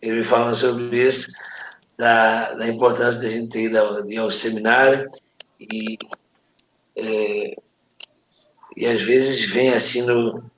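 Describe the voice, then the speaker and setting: A man with a Brazilian accent reminiscing casually, in a halting, conversational way that often checks for agreement. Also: medium pitch, little pitch movement, a bit bright. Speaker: participant in a church friends' live chat. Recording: echoey room, faint noise.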